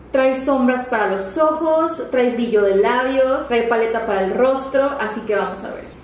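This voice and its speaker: Upbeat young woman, high voice, casual makeup review, roomy echo. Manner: chatty, upbeat and friendly. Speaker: beauty vlogger. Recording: echoey room, faint ambient noise.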